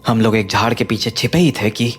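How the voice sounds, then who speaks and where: A man's voice: lowish voice, a little fast, slightly rough, soft background music. A man playing a grave grieving father. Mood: solemn. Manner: solemn, explaining calmly. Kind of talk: audio drama acting.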